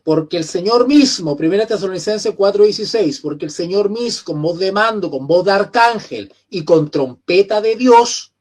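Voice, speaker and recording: A Chilean man teaching an online theology lecture, often repeating phrases, clearing his throat and putting questions to his students. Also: sits high. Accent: Chilean Spanish.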